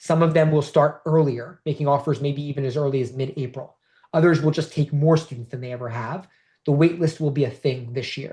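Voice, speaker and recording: A man with a dark, mellow tone and a fairly high pitch speaks somewhat breathily with fairly even intonation over a quiet background. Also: fairly quick pace. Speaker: college admissions consultant. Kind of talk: lecture. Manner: fast.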